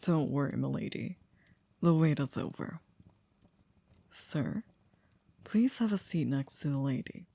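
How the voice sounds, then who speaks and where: A woman playing a poised, coolly controlling maid to a vampire in an ASMR roleplay, speaking formally and politely in a hushed, breathy, often near-whispered voice. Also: deep voice, lively intonation, no echo, full character voice. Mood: courteous, composed. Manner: formal, polite, measured, with stiff wording.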